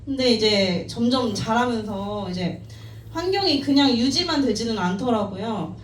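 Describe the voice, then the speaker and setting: A woman in her thirties gives a personal talk, modest and quick to laugh at herself. Her voice sits a little high. She sounds distant from the mic, in a roomy, echoing space. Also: animated. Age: 30s. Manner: modest, self-deprecating, laughs often. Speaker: team member giving a talk at a company meeting. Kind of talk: personal story talk to an audience. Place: meeting room. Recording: echoey room, distant mic, faint noise.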